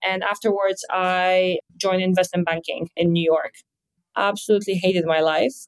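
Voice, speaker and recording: At a moderate pace, the speaker uses monotone, flat intonation with a Polish accent. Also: woman, medium pitch for a woman. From Poland. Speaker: business executive. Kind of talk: interview.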